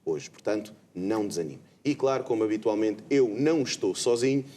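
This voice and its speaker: Low-voiced Portuguese man hosting. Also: a little fast, mellow. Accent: European Portuguese. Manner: hesitant, many filler sounds. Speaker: host. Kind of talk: live religious TV show hosting.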